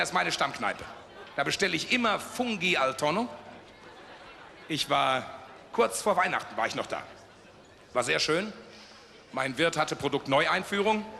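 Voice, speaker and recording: A man doing stand-up jokes at a carnival event, telling stories punchily and sometimes shouting. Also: on the high side, vocal fry, slight background noise. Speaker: carnival comedian. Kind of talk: stand-up joke telling on stage. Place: large carnival hall stage. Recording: echoey hall with long reverb.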